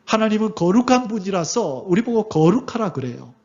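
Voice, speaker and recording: A male pastor preaching a sermon, asking the congregation rhetorical questions and acting out quoted voices in a lively way. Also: high-pitched, a little fast, muffled recording.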